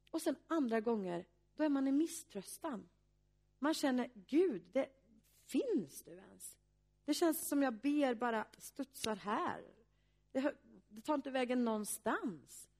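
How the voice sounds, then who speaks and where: A woman pastor giving a sermon, speaking earnestly and reflectively with pauses. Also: on the high side, darkish tone.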